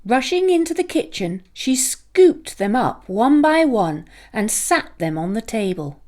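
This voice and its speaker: Very animated, high-voiced woman storyteller. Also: measured pace. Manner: dramatic, expressive. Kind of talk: scripted children's story narration.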